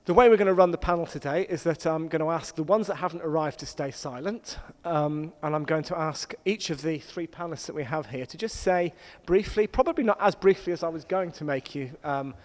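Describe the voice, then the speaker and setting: A middle-aged man moderating a conference panel, explaining things in a measured, storytelling way to introduce the discussion. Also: fairly high pitch. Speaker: panel moderator, senior university academic. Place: conference hall. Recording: echoey hall with long reverb.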